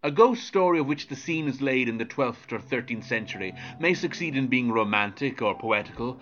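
A man's voice: mid-range voice, animated, brisk, a bit bright, lightly acted. A man reading as a learned Edwardian author, precise and bookish, in a literary quotation on a dull recording. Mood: measured, cautionary. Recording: dull, muffled lo-fi sound.

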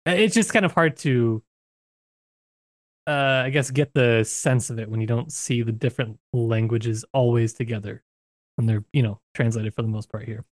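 A man's voice: medium pitch, normal speed, no echo, clean studio sound. A man co-hosting a book discussion podcast, talking in a thoughtful, searching way with frequent restarts. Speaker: podcast co-host.

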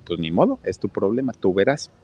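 A gruff, take-it-or-leave-it male boss, as a man acts him out. He talks bluntly and dismissively, in a low, husky voice. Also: big pitch swings, a little fast, lo-fi sound. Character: gruff male boss offering a mailman job.

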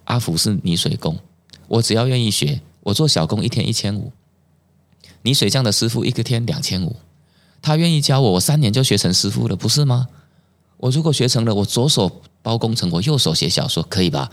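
Low-voiced Taiwanese man telling stories. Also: a little fast. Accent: Taiwanese Mandarin. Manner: animated storyteller who acts out quoted dialogue. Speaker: podcast guest. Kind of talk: personal storytelling in conversation.

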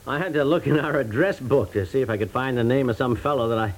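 A man's voice: medium pitch, quick pace, close to an everyday voice. A man playing a mild, bewildered, forgetful suburban husband and father in a 1950s radio comedy, with hesitant, repetitive speech. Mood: awkward, hesitant. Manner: hesitant, bumbling, trailing repetitions. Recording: hissy old 1950s radio recording.

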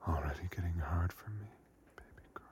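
A man whispering a slow, coaxing intimate audio roleplay in a soft, breathy voice. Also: deep voice, noisy background.

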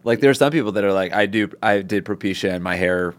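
A man's voice: on the low side, quick pace. A man on a podcast in casual chat, reasoning things out in a thoughtful way. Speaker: podcast host.

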